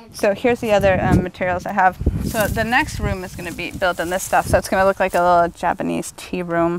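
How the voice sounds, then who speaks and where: Someone speaks at a very fast pace with hardly any pauses, in a dry sound with no echo and noticeable background noise. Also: woman. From Argentina. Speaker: single mother and student. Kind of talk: casual home tour interview. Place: garden. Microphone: lapel.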